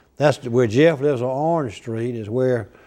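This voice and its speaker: Against a quiet background, a man with an Alabama accent speaks at a moderate pace in a medium pitch, his tone dark and mellow and his intonation fairly even. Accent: Alabama Southern. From US South, Troy, Alabama. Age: 60s. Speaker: former legislator and political columnist. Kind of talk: interview storytelling.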